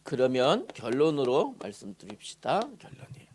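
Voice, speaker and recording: A male pastor preaching a sermon in a church, posing questions to the congregation and answering them himself, moving from loud emphasis to soft murmurs. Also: medium pitch, very animated, moderate pace. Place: church sanctuary.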